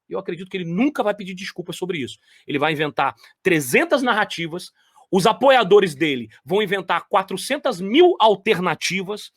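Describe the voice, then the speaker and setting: A man's voice: high-pitched, fairly bright tone, dry recording, studio quality. A man giving commentary on lecture clips. He talks straight to his viewers, stressing and repeating phrases.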